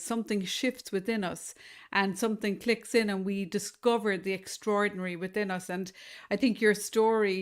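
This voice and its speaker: A woman's voice: mid-range voice, clean tone. A woman with a Cork accent hosting a podcast, introducing her guest in a rambling way with many fillers. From Ireland. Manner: warm, rambling, filler-heavy. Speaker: podcast host. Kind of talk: interview introduction.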